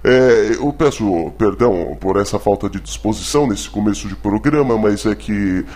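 A man with a Brazilian accent hosting a comedy call-in lesson as a mock teacher, halting and stammering over his explanations. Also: fairly low pitch, lively intonation, a little mellow. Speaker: host playing a mock English teacher.

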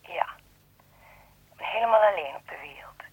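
An actress playing a lonely, generous woman on the telephone in a radio play, husky and persuasive. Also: on the low side, animated, normal speed, no echo, low-quality recording. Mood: lonely, pleading. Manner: persuasive, urging, reassuring.

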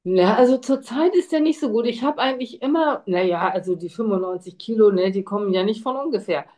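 A woman's voice: mid-range voice, animated, fairly quick, warm tone, natural voice. Woman as a middle-aged male patient, hesitant and chatty, everyday voice. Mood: worried. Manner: hesitant, chatty, tags sentences with "ne". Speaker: simulated patient. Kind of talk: medical exam role-play.

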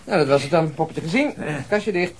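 A man's voice: a little high, expressive, a little fast, slight background noise, natural voice. Actor as a dry, sardonic male detective. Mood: wry, brisk. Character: sardonic male police detective commenting on evidence film. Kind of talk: Dutch radio drama acting.

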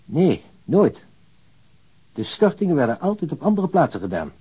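An actor playing a precise, helpful bank official in a radio drama, explaining things in a formal manner. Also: male voice, a little high, sing-song, normal speed, dark tone, slightly rough, lo-fi sound. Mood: precise, businesslike.

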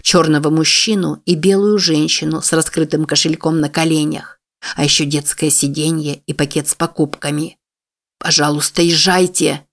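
An audiobook narrator reading a novel in steady scripted narration. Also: medium pitch, moderate pace.

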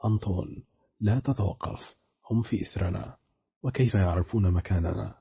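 A man's voice: low-pitched, moderate pace, gravelly, husky, no room sound, highs cut off, heavily acted. A man voicing a worried young woman on the run, who speaks hesitantly and searches for words. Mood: uneasy.

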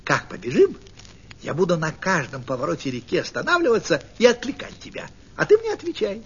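A man's voice: high-pitched, wildly swooping pitch, fairly quick, slightly rough, highs cut off, exaggerated voice. A man voicing a sly, boastful female fox in a folk tale, speaking in a mocking, scheming way.

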